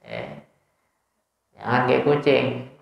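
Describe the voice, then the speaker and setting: A man's voice: medium pitch, wildly swooping pitch, takes it slowly, creaky. Man, religious teacher, joking rhetorical questions, very echoey, muffled. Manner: casual, teasing students with rhetorical questions. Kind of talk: informal Islamic study lecture. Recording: echoey dull hall recording.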